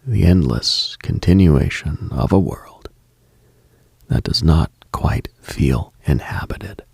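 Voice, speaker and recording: Gravelly whispering late-night male host. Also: animated, a little mellow, dry recording, clean studio sound. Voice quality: gravelly low voice, often dropping to a whisper. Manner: measured, contemplative, lists in short phrases. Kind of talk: slow reflective late-night monologue.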